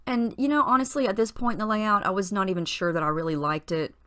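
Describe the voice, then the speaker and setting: A woman in a husky morning voice, chatting casually through a voice-over of her scrapbooking process, relaxed, with small fillers and restarts. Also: medium pitch, fast talker. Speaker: scrapbooking tutorial host.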